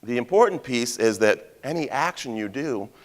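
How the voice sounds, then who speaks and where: A middle-aged man from Maine, a heroism educator giving a loud, chatty talk on a conference stage, often checking in with the audience with "right?". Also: medium pitch, expressive, moderate pace. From Maine, USA. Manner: loud, chatty, jokey, asks the crowd questions, many "right?" tags. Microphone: handheld or stage mic.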